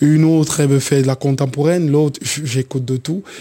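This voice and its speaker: A man's intonation is monotone and flat as he talks at a moderate pace. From Cameroon. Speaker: rapper and pastor. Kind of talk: casual chat.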